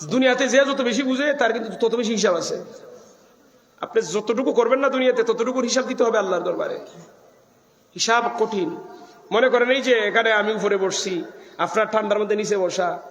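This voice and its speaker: A man from Bangladesh with a Sylheti Bengali accent preaching a waz sermon to an open-air gathering, telling stories with passion and breaking into chant. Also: brisk. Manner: impassioned storytelling, voice rising high on quotes. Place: open-air religious gathering, speaker seated above crowd. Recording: echoey loudspeaker sound with long reverb.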